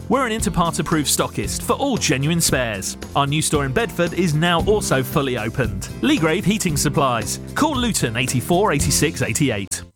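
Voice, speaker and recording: A man reading a scripted radio advert in a promotional tone. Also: fairly high pitch. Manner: slow, lively promotional reading. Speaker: radio ad voice-over.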